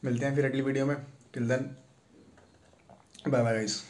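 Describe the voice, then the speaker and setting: A man's voice: medium pitch, level tone, a little slow, heavy background noise. A man, chatting casually to a phone at arm's length as a travel vlogger. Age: 20s. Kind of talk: casual travel vlog chat. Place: plain rooms, rooftop, streets and shops.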